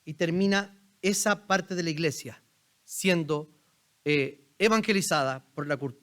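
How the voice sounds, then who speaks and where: A man's voice: fairly high pitch, unhurried, a bit bright. A man with a Chilean accent preaching a sermon as pastor in a church, talking conversationally and putting questions straight to the congregation. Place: church sanctuary.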